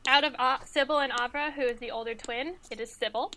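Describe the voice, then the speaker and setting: A woman's voice: sits high, fairly even intonation, a little fast, crowd noise. A woman reading out quiz questions and answers and explaining them in a casual way. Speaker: quiz reader, podcast crew member. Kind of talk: casual trivia hosting and explanation.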